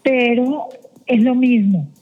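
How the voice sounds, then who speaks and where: A woman's voice: a little high, takes it slowly. A woman from Colombia, guest on a show, giving firm advice over the phone. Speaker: guest, event organizer. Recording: tinny phone line.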